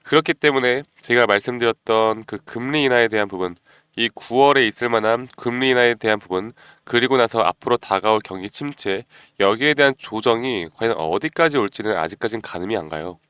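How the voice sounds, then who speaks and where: A man hosting a stock market channel, talking persuasively to viewers and often clearing his throat because of a cold. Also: medium pitch, brisk, a bit bright, no echo, clean studio sound. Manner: persuasive, keeps asking viewers "you know?". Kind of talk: stock analysis talk to viewers.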